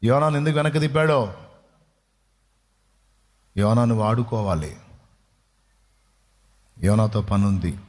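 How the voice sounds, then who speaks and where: A man's voice: fairly low pitch, measured pace, pauses often, darkish tone, big-room sound. A man preaching a sermon as a pastor, telling stories and asking his listeners questions. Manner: storytelling preacher who asks the listeners rhetorical questions.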